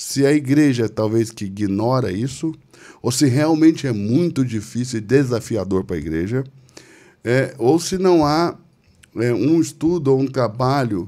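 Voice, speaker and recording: Lively intonation in a man's dark, mellow voice. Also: medium pitch for a man, fairly slow pace. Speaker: pastor and podcast host. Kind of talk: casual chat.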